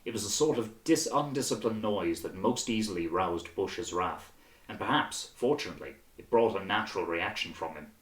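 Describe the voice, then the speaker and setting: A man's voice: fairly low pitch, animated, normal speed. A man reading a novel aloud as scripted audiobook narration. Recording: roomy, reverberant sound.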